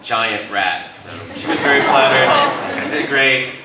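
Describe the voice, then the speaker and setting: A man's voice: medium pitch, animated, a little slow. A man, a voice director, answering questions on a convention panel in a rambling way full of fillers. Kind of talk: casual panel talk. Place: large convention panel room. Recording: echoey convention hall from far off. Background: crowd noise.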